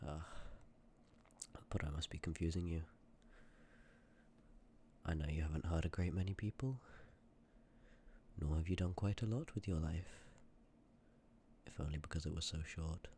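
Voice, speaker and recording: Man playing a deep, creaky, gentle Death. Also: a little hiss or hum. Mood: apologetic, explanatory. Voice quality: low, creaky, often dropping to a breathy whisper. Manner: measured, hesitant, politely formal, apologetic. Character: sympathetic, courteous personification of Death, calm and ancient. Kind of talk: ASMR roleplay, scripted acting addressed to listener.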